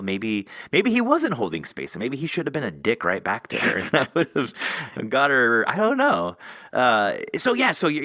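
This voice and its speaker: Low-voiced, animated man hosting a casual interview. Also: no echo. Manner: rambling, informal, reflective. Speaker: podcast host interviewing an author.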